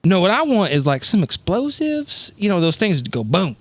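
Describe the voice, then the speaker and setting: A man's voice: sits high, huge pitch swings, normal speed, no echo. A man playing a tabletop game, improvising casually in his everyday voice with a wry, hesitant, rambling delivery.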